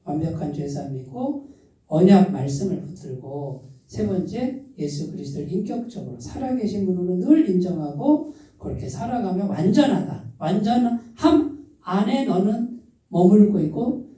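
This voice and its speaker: A man's voice: high-pitched, animated, normal speed, warm tone. A man preaching a sermon as pastor, speaking with emphasis and putting rhetorical questions to the congregation. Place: church sanctuary. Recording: very echoey church hall, voice from far off.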